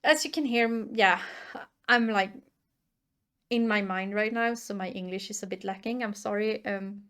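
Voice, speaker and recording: A woman's voice: mid-range voice, normal speed, fairly bright tone, clear, resonant tone. A woman whose first languages are Swedish and Norwegian, hosting casual reaction commentary and thinking aloud with many restarts. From Sweden or Norway. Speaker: reaction channel host.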